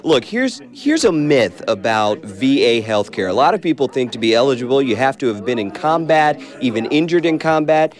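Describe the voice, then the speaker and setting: A man's voice: medium pitch, very animated, moderate pace, hardly any pauses, soft background music. A man reporting live from a phone bank, urging viewers to keep calling. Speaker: field reporter.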